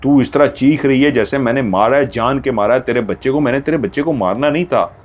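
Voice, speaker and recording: A man voicing a brash young man who keeps defending himself with quick excuses in a story. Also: mid-range voice, close to an everyday voice. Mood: defensive.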